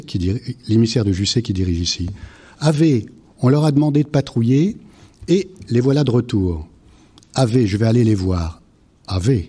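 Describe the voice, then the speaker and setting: A man's voice: medium pitch, dark tone, husky. A man reading a playful wordplay text aloud at a live public event, shifting between dialogue parts in a theatrical way. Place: library event before a live audience.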